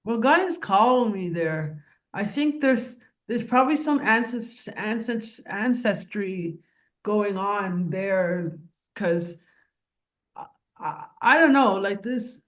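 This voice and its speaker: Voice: medium pitch, lively intonation, takes it slowly. Upbeat podcast host in their forties. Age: 40s. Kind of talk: casual interview chat.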